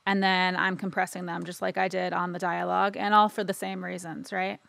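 A woman narrating a casual, informal software tutorial, explaining step by step and checking in as she goes. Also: fairly low pitch, flat delivery, fairly quick, vocal fry, dry recording. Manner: informal, explanatory, frequent "right?" tags. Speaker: audio editing instructor.

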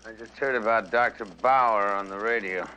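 A man's voice: lowish voice, normal speed, sharp tone, slight background noise. An actor playing a wry, persistent male private detective in a 1970s TV drama. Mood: concerned. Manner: dry, persistent questioning. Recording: dull 1970s TV soundtrack with music.

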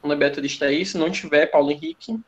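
A man's voice: a little high, quick pace, muffled recording. A Brazilian man teaching English online, calling on students and joking with the class. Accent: Brazilian Portuguese. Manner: joking, relaxed classroom banter. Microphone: computer mic on a video call.

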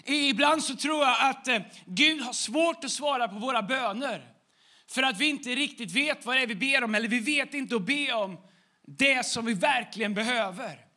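A man's voice: very high-pitched, bright, forceful tone. A man preaching a sermon as the church's pastor, in a conversational way, acting out short everyday dialogues.

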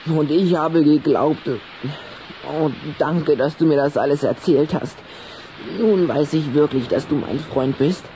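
A man's voice: a little high, unhurried, warm tone, slight background noise, close to an everyday voice, poor audio. A man playing a lovesick, hot-tempered boy vampire in a children's radio play, theatrical and given to sighs and stammers. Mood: wounded, musing.

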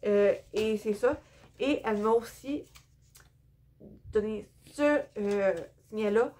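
Slow and mellow, this young woman's mid-range voice carries a Québécois French accent as she casually shows off her books. She's a book vlogger from Quebec recording a book haul indoors among bookshelves, sounding somewhat tired, hesitant, and full of fillers.

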